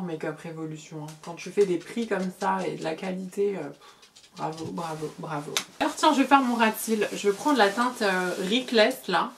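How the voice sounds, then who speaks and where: A woman's voice: medium pitch, creaky, slight background noise. Woman, middle-aged, beauty vlogger, casual makeup tutorial, chatty, at home. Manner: chatty, repeats words, fillers.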